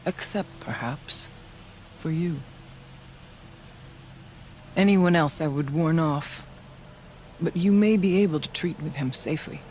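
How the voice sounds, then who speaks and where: A woman's voice: low-pitched, slow, long pauses, darkish tone, a little hiss or hum. An actress playing a devout, proud tribal shaman woman in a video game, with solemn, formal phrasing. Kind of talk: dramatic video game cutscene acting. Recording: music behind the voice. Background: music.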